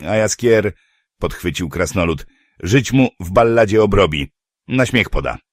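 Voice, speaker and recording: A gruff, crude dwarf who plots in a coarse, conspiratorial tone, put on by an audiobook narrator. The voice sits low and swings lively, and the recording is dry. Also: male voice, unhurried, no room sound. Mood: scheming. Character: gruff scheming male dwarf, blunt and crude.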